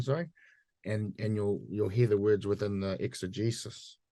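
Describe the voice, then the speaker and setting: Against a quiet background, a dark, mellow voice with a New Zealand accent moves at a fairly quick pace with ordinary pitch variation. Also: man. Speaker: PhD researcher and photographer. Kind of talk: conference presentation.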